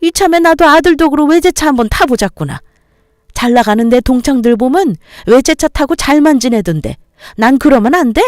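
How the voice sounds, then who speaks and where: A woman's voice: high-pitched, expressive, brisk, no room sound, studio quality. A woman voicing a greedy older mother-in-law who nags and lectures condescendingly in a dramatized story reading. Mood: scolding.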